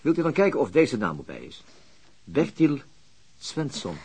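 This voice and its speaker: An actor playing a polite, probing police detective with a hesitant way of questioning, in a radio drama. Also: male voice, medium pitch, huge pitch swings, moderate pace, darkish tone, slightly rough. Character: persistent, polite police detective on a murder case. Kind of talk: Dutch radio drama dialogue.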